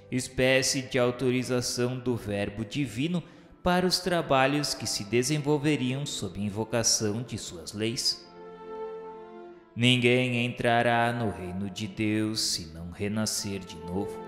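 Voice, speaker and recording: A man with a Brazilian accent giving a solemn, literary radio narration in a formal, declamatory, measured way. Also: mid-range voice. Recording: echoey hall-like reverb under music. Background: music.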